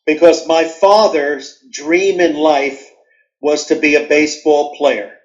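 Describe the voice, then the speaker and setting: Speaking slowly in a voice on the high side, this man from New York, with the accent to match, is an interview guest recounting his childhood. He's an animated storyteller who acts out the scenes, and the audio sounds dull.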